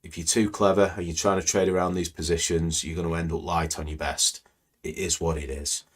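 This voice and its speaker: A man with a very low, deep voice talks through market charts on a live stream. His voice is croaky and slightly hoarse. He rambles casually, leaning on "you know" between thoughts. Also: level tone, brisk. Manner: conversational, rambling, many "you know" fillers. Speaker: trading educator hosting live stream. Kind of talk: live market screening commentary.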